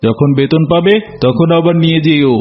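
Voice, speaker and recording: A man's voice: fairly high pitch, moderate pace, lightly acted. A man voicing an earnest, trusting elephant who leads the forest in a cartoon, speaking in a dignified, plain manner. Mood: kindly concern. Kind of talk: cartoon voice acting. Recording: muffled audio with music bed.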